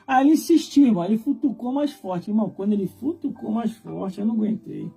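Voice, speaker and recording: A man's voice: sits high, fast, creaky, mellow, slightly rough. A Brazilian man preaching, telling a story fervently and theatrically, often calling listeners brother. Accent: Brazilian Portuguese. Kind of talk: storytelling sermon.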